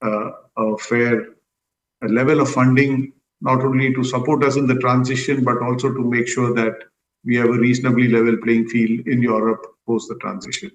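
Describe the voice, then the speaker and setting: Echoing, roomy conference audio carries a man. He speaks at a medium pitch as a company executive, explaining things in a measured, diplomatic way. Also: little pitch movement, dull audio. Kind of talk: answering questions on an earnings call.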